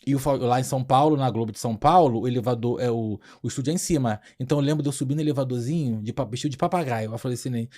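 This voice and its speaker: A young Brazilian man, a comic actor, telling lively anecdotes on a podcast and often breaking into laughter. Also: mid-range voice, rapid-fire, hardly any pauses. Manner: animated, laughing, acts out scenes. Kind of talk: casual anecdotal storytelling.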